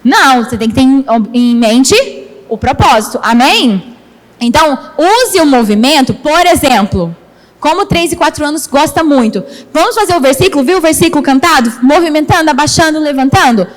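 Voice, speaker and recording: A woman pastor from Rio de Janeiro giving a lively training talk to children's ministry teachers in a church hall, acting out little scenes. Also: normal speed. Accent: Brazilian Portuguese, Rio de Janeiro. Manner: lively, animated, acts out child-teacher dialogue in a high sing-song voice.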